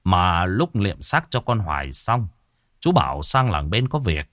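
A man's voice: sits low, very animated, measured pace, fairly bright tone, dry recording, studio quality, exaggerated voice. A man voicing a grateful older village man speaking plainly. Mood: relieved.

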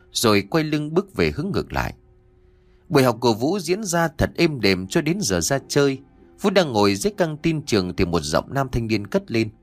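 A male horror storyteller narrates with a very animated, sweeping voice. He is recorded dry and close, with faint music under the narration. His delivery is dramatic and measured. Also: medium pitch, no room sound.

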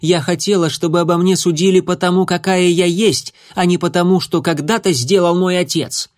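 A man's voice: sits high, fairly even intonation, moderate pace, no room sound, studio quality, pitched above the performer's own voice, close to an everyday voice. A man voicing a proud, defiant young female cat who speaks sharply and hisses when angry. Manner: sharp, hissing, indignant.

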